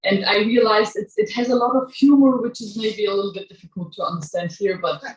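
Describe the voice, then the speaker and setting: A woman with a German accent introducing herself at a public reading, halting, restarting often and laughing as she talks. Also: medium pitch. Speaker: guest writer giving a reading. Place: small venue before a live audience. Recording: echoey room, voice from far off.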